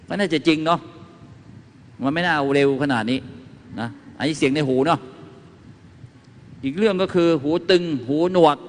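A man giving a folksy talk to a live audience as a lecturer on home remedies, telling anecdotes and tossing questions to the crowd. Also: a little high. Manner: chatty, asks the audience questions, tells anecdotes. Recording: reverberant hall.

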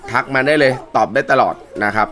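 A man with a worn-out, hoarse voice hosting a casual game skin review, chatting along and pushing his voice lower than usual. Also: fast talker, sharp tone. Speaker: mobile game channel host.

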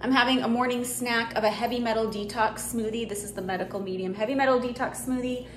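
A woman in her thirties with a raspy voice, chatting casually to camera in a week-in-the-life vlog, filled with "like" and "um". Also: a little high, quick pace, slight background noise. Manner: chatty, relaxed, frequent "like" and "um". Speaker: vlogger. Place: home rooms and outdoors at a cemetery.

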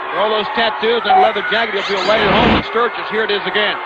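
A man calling a wrestling match play by play, with excited calls. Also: sits high, fast, very noisy. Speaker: play-by-play commentator. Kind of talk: wrestling commentary. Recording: dull lo-fi 1990s broadcast with loud arena crowd.

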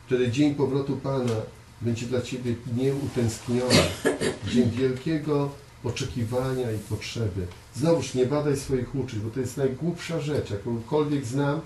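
A man preaching a conversational sermon to a small congregation, earnest, often repeating words and pausing on fillers. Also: mid-range voice, darkish tone. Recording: echoey room, voice from far off, faint hiss.

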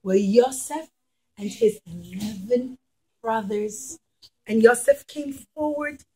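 A middle-aged woman telling a story to young children in a classroom, explaining simply and deliberately. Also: a little high, a little mellow, husky. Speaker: children's teacher telling a Bible story with puppets. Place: small classroom, indoors.

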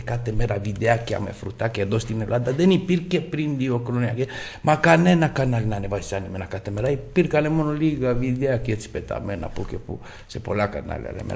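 A man from Greece giving casual, boastful commentary on slot machine spins, swearing freely and shouting at the reels. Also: mid-range voice, gravelly, slight background noise.

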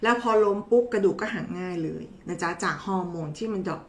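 A woman's voice: on the low side, fast, slight background noise. A woman doctor giving a casual, chatty health explainer, talking to viewers in a familiar, teasing way. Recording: roomy echo.

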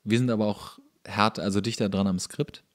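A man co-hosting a podcast in casual comedic chat, joking dryly with a deadpan delivery. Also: lowish voice, a little fast. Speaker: podcast co-host.

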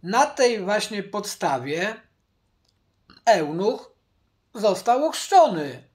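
A man teaching from the Bible, speaking deliberately, repeating his key points and addressing viewers directly. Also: high voice, very animated, a little mellow. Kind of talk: Bible study commentary.

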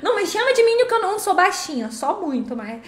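A woman's voice: very high voice, big pitch swings, fast. A woman chatting casually on a live stream, reading the chat and teasing her viewers in a playful, chatty way. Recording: echoey room, faint music behind.

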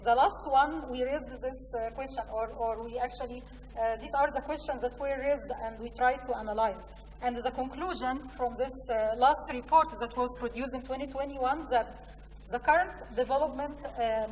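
Female conference speaker, Egyptian accent, slightly high voice, halting delivery, picked up at a distance in a reverberant hall. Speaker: conference speaker, science programme representative. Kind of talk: conference presentation with slides. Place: large conference hall, indoors. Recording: echoey hall, distant mic, faint noise.

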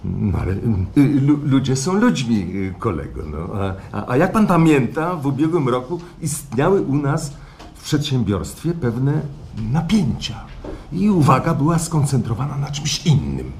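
An actor playing a pompous, evasive company director who hems through officious speeches in a live radio play. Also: male voice, mid-range voice, very animated, normal speed, darkish tone, reverberant. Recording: live stage recording with background noise.

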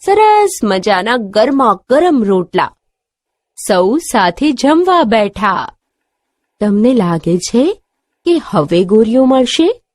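A woman's voice: a little high, very animated, slow pace, darkish tone, no echo. A woman teacher telling a story and leading a lesson for young children.

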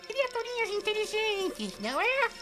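An actor voicing an excitable, easily irritated woodpecker in a dubbed cartoon, exclaiming theatrically. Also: very high voice, moderate pace, over loud music. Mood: smug.

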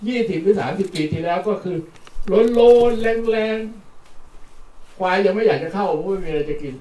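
A man's voice: high-pitched, mellow. An older man giving a plain-spoken workshop lecture, repeating words for emphasis, recorded from a distance at an outdoor training session. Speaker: lecturer on charcoal. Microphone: distant mic. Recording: roomy and distant with faint noise.

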